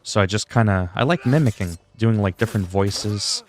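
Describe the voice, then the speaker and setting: A Canadian man, French his first language, speaks at normal speed in a voice on the low side. His casual livestream chat rambles, full of self-deprecation, saltiness and free swearing.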